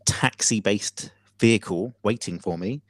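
A man co-hosting a podcast, telling a story theatrically with many pauses and fillers. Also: lowish voice, dry recording. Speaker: podcast co-host. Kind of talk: casual chat.

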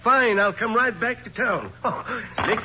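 An actor playing a folksy, cocksure small-town sheriff with blunt colloquial speech in a 1940s radio crime drama. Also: male voice, very high voice, a little slow. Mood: folksy, confident. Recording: muffled, noisy 1940s radio recording.

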